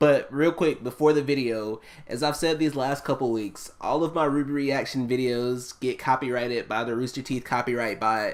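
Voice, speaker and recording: An animated man with a medium pitch speaks at a moderate pace. He hardly pauses, and the recording is very clean with a silent background. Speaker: YouTube reaction video creator. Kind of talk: reaction commentary.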